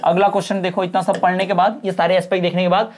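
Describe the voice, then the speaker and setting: A woman's voice: lowish voice, little pitch movement, very fast, a little mellow. Woman teacher quizzing her class. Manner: repeats points, quizzes listeners with rhetorical questions; mixes read-out English terms into explanations. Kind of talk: exam-prep lecture.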